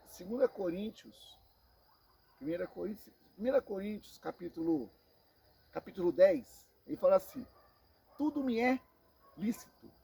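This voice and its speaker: Brazilian male preacher, slow deliberate delivery, gravelly fry in the voice, repeats for emphasis. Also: sits high, warm tone, low-quality recording. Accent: Brazilian Portuguese. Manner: slow emphatic preaching, repeats phrases, addresses listeners as brothers. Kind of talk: Bible teaching sermon.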